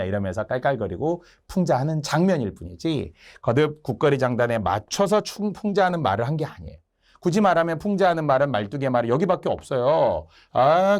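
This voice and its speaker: A man's voice: on the high side, a little mellow. A man giving a recorded exam prep lecture, explaining a text and acting out quoted lines in character voices.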